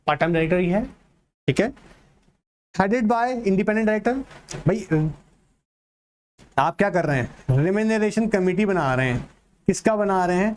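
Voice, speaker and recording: A man teaching an exam-prep lecture online, mixing Hindi with English terms and slowing down to read English text aloud. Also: sits high, a little mellow. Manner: asks and answers his own questions, slows to read English text aloud. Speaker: online tutor.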